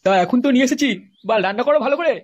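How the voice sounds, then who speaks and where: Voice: sits high, very fast, highs cut off. A performer voicing a boastful, short-tempered poor husband in a comedy cartoon, foul-mouthed and insulting, with a West Bengal accent. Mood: exasperated. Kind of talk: amateur comedy cartoon dialogue.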